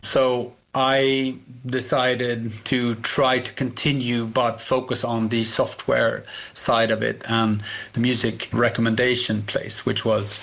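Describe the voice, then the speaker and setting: A middle-aged man whose first language is Swedish, a company founder reflecting on his past as a radio interview guest, halting now and then with restarts. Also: mid-range voice, little pitch movement, gravelly, fairly bright tone. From Sweden.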